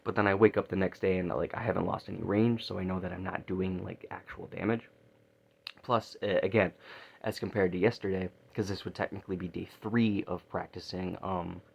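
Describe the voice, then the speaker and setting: A man with a low voice and plenty of vocal fry chats casually to a video diary. He rambles haltingly, repeating words and trailing off. The sound is somewhat dull and lo-fi. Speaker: vocal student keeping a practice diary. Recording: dull lo-fi recording.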